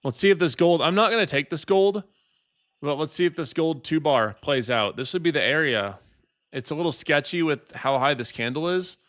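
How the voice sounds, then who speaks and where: A man's voice: on the high side, animated, moderate pace, a bit bright. Joking man streaming his day trades. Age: 20s. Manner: joking, teasing with chat, laughs often. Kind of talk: casual live-stream chat.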